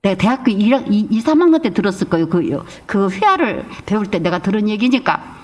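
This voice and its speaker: A woman's voice: medium pitch, very animated, fairly quick, darkish tone. A middle-aged woman pastor preaching a sermon emphatically, sometimes acting out whiny prayers and scolding the congregation.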